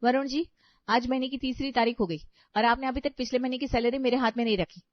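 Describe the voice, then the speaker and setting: Woman doing a snooty young bride in a cartoon, sarcastic and mouthy, kinda high voice, dry dull sound. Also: fairly even intonation, quick pace, no echo, lightly acted. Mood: demanding. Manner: rude, defiant and sarcastic. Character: spoiled haughty young bride, sharp-tongued daughter-in-law. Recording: dry, slightly dull audio.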